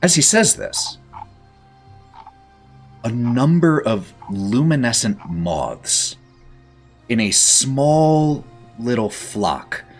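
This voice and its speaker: A man narrating a tabletop fantasy game as game master, in a measured, descriptive storytelling manner. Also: medium pitch, sing-song. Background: faint music.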